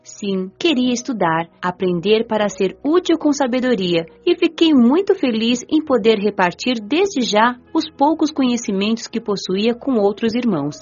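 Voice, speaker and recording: Radio drama lead: eager, devoted young Brazilian woman, highish animated voice, music underneath. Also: moderate pace, hardly any pauses. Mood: happy, earnest. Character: nineteen-year-old spirit woman, eager, devoted, recalling her afterlife. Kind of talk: radio drama narration and dialogue. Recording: lo-fi band-limited audio, music behind.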